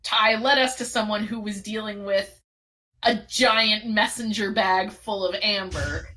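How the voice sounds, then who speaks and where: A woman's voice: medium pitch, steady tone, measured pace, bright, forceful tone. A woman playing in a tabletop role-playing game, chatting casually and hesitantly. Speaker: player.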